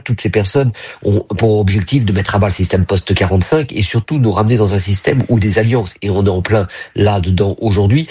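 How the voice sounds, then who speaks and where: Man, political commentator, husky low voice, hesitant but emphatic, dull lo-fi remote line. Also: darkish tone. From United States. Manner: measured, frequent hesitations, emphatic. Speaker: political analyst guest. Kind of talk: live news interview commentary.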